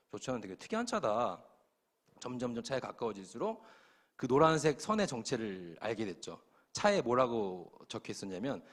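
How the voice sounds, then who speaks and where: A man's voice: medium pitch, slightly rough. A middle-aged male pastor telling a story in his sermon to young adults, acting out the dialogue as he goes. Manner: lively, animated storytelling with acted-out dialogue.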